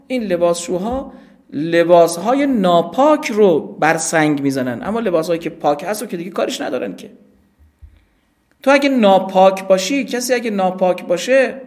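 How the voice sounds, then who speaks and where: A man's voice: sits high, a little mellow. A man giving a lecture, explaining classical literature in everyday speech. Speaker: teacher of classical Persian literature.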